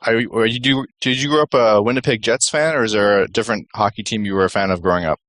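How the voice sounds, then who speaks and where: Low-voiced hesitant Canadian man. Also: steady tone, a bit bright, no room sound. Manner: hesitant, halting questions. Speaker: podcast co-host.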